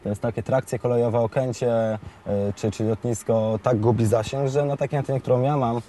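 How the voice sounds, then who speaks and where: Mellow-voiced young man explaining, haltingly. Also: medium pitch, steady tone, slight background noise. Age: 20s. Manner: halting, hesitant delivery with frequent fillers and repeated words. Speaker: CB radio shop expert. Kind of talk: explanatory product tutorial, unscripted. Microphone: lapel mic.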